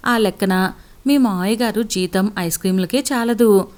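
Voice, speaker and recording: A loving middle-aged mother with a gently teasing way of talking, as a woman reading the story puts her on. The voice stays close to the reader's own. It is a storybook reading. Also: medium pitch, moderate pace, lightly acted.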